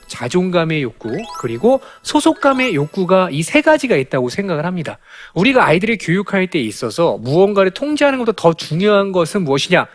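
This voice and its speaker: A man giving a lecture to parents on raising children, animated and full of rhetorical questions. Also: high-pitched. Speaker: parenting educator.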